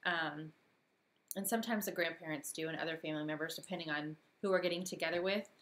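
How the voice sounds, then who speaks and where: A woman in her thirties talks casually through a home live stream, relaxed and laughing easily. Her voice sits on the lower side and sounds a bit worn, as if she is losing it. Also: fast, slight background noise.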